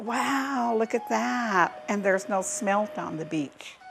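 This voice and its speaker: Music plays in the background as a woman speaks at a very slow pace, her medium pitch moving in very wide swings. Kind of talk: interview answer.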